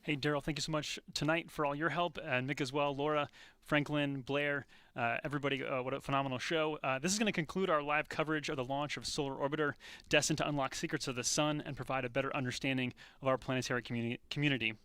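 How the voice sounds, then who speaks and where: A man's voice: mid-range voice, fairly even intonation, fast, bright, forceful tone, clear, resonant tone, dry recording. A man anchoring a live broadcast in a polished announcing style. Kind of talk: presenter sign-off to camera, polished announcing.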